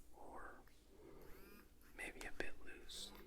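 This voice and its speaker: Someone whispers at a very slow pace. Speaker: meditation guide. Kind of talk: ASMR meditation guide. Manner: whispered, soft.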